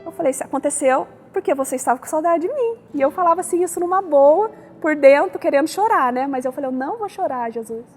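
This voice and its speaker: A woman pastor with a São Paulo Brazilian accent tells her personal story in a high voice. She acts out conversations and prayers as she goes. Soft music plays faintly under her words. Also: lively intonation, fast, hardly any pauses. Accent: São Paulo state Brazilian Portuguese. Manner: storytelling, acting out dialogue and prayers. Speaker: pastor giving a testimony. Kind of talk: personal testimony.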